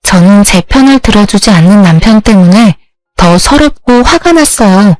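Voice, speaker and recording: A woman's voice: mid-range voice, animated, normal speed, a little mellow, dry recording, soft background music. Aggrieved woman narrating her story. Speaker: story narrator, the wronged wife.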